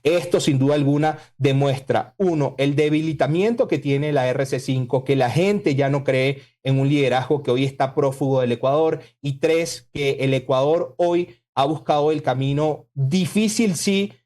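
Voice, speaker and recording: A man from Venezuela, a political spokesman, speaking forcefully and combatively as a guest in a radio interview. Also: fairly high pitch, moderate pace, few pauses. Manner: forceful, combative political talk with emphatic lists.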